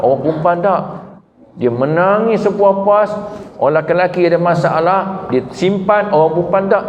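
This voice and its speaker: A man preaching to a congregation, animated and humorous, with high emphatic peaks. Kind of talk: religious talk to a congregation. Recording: echoey hall, dull lo-fi sound, faint noise.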